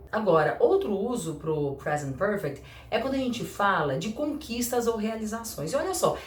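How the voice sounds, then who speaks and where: Lively woman teacher, echoey room. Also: mid-range voice, slight background noise. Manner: chatty, lively, acts out little dialogues, slows for example sentences. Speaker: English teacher. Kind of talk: casual explanatory lesson.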